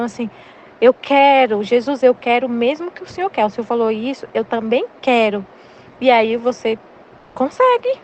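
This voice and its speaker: Leading a Catholic study, a Brazilian Portuguese–accented woman in her thirties offers a candid personal faith testimony in a relaxed, reflective way. Her voice sits a little high, and the audio has its highs cut off plus a bit of background noise.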